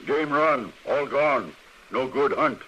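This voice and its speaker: An actor playing a blunt, distrustful Plains tribal hunter in an old radio western, speaking clipped broken English in short phrases. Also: male voice, mid-range voice, expressive, slow pace, fairly bright tone. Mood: blunt, bitter. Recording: faintly noisy vintage radio recording.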